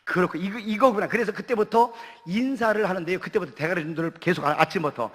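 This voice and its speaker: A man's voice: sits high, quick pace. A male pastor preaching a sermon in a church, telling stories with humor. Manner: lively storytelling with humor. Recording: church hall reverb.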